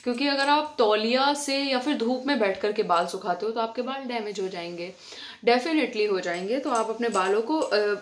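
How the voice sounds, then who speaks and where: A woman's voice: a little high, moderate pace, a little hiss or hum. Woman from India, beauty vlogger, casual hair-care tutorial, chatty and friendly, indoors at home. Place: indoors at home, fan switched off.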